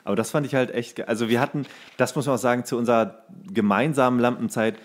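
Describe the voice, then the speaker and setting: A man's voice: medium pitch, fairly even intonation, fast. A man co-hosting a podcast, telling anecdotes in a casual, blunt, slangy way. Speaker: podcast co-host. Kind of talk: casual chat, bar anecdotes.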